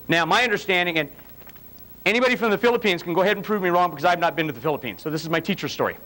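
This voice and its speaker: A man talks at a very fast pace in a high pitch with ordinary pitch variation. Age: 40s. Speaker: martial arts instructor. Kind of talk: seminar demonstration. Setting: stage with audience. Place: hall. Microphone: lapel.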